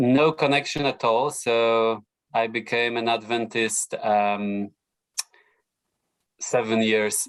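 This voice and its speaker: In a Polish accent, the speaker goes at a very slow pace with fairly even intonation, very even loudness and long, frequent pauses. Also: man, medium pitch for a man. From Poland, Warsaw. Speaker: podcast guest, LGBTQ advocate. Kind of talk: casual interview. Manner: hesitant, many fillers.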